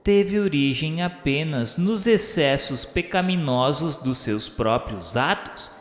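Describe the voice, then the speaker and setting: A man playing a solemn narrator in a scripted radio drama, speaking in a formal, measured way. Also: on the high side, animated. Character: solemn male narrator recalling the spirit world. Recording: echoey long reverb, music bed.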